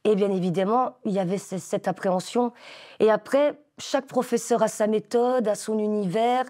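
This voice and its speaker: Brief: woman, 40s, dance teacher being interviewed, eager but halting delivery, middle pitch. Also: dark tone. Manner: hesitant, many fillers, enthusiastic. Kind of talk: interview answers.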